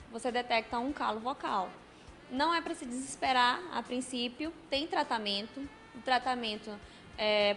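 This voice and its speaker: A woman with a Brazilian Portuguese accent, a specialist guest giving calm, measured answers on a TV studio talk show. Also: a little high. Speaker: speech health specialist guest. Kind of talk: explanatory studio interview answers. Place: television studio.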